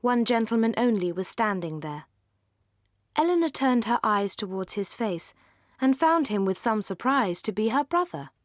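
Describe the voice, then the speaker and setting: A woman reads a classic novel aloud at a measured, graceful pace, letting her voice settle low at the ends of phrases. Her pitch sits in the middle range for a woman. The recording is close and completely dry, as from a studio booth. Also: dry recording. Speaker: audiobook narrator.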